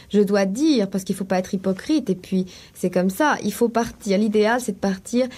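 Somewhat breathy and dark, mellow in tone, a woman talks at a moderate pace with medium pitch and ordinary pitch variation. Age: 20s. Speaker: writer. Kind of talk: interview answer.

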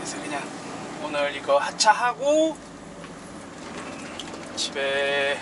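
A man speaks with ordinary pitch variation and big swings in loudness. Noticeable background noise runs behind him. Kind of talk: casual vlog chat while driving. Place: car.

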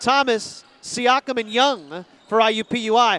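Over noticeable background noise, a man speaks at an extremely high pitch, with a dry, close sound with no echo. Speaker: basketball play-by-play announcer. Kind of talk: live sports commentary. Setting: basketball arena broadcast, highlight video.

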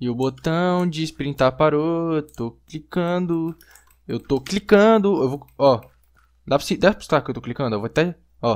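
This man's intonation is lively. He talks at a fairly slow pace. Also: fairly high pitch for a man. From Brazil. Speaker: gaming youtuber. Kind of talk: angry rant while gaming, frustrated over a broken mouse. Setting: home recording, gameplay commentary. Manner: exasperated, shouting, repeating 'mano' and 'velho' in disbelief. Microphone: headset.

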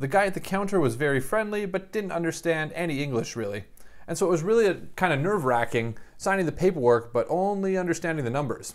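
A man with a Canadian accent speaks at a high pitch. His delivery is very fast, with lively intonation. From Canada. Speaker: travel vlogger. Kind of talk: scripted narration.

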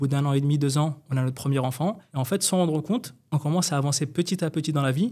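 A man speaks very fast in a fairly high pitch, somewhat breathy, with a dark, mellow tone. His pitch varies in an ordinary way, and the background is quiet. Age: 30s. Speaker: Amazon seller, entrepreneur; Amazon seller. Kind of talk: interview. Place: studio. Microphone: studio mic.

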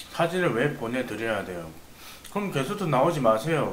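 A man talking at a fairly quick pace with very wide pitch swings, over light background noise. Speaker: mukbang streamer. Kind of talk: casual chat. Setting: studio. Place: home room.

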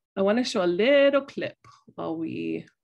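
The background is quiet. A woman in a Hawaii accent talks at a fairly slow pace. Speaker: Hawaiian language teacher. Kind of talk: workshop presentation. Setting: video call. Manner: casual, warm. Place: home room. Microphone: video call.

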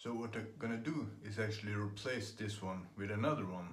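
Moderately paced and somewhat breathy, a man speaks at a fairly low pitch with ordinary pitch variation, and the room echo is audible. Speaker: DIY vlogger. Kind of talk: casual vlog chat. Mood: upbeat, joking. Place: bathroom. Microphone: phone near.

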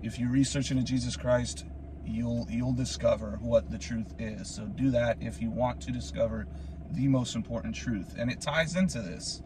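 The speech moves at a moderate pace, with a dry sound free of echo but noticeable background noise. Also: man, very deep, low pitch for a man. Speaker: vlogger. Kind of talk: casual vlog chat. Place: car. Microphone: phone near.

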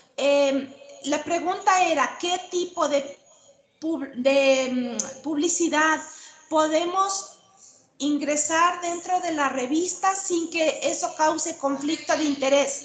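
In audible room echo, a woman with an extremely high pitch speaks at a very slow pace with fairly even intonation. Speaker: journal editor. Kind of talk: questions in online session. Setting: video call. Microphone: video call.

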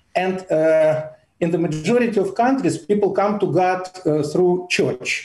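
In a Russian accent, a man with a high pitch and a dark, mellow tone speaks with lively intonation amid audible room echo. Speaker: professor, philosopher. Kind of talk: academic discussion. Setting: video call. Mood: calm, reflective. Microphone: video call.

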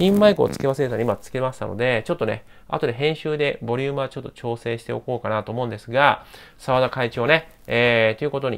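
This man talks fairly quickly, and his pitch varies in an ordinary way. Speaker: investment YouTuber; investor commentator. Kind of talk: market commentary monologue. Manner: fast; many filler sounds.

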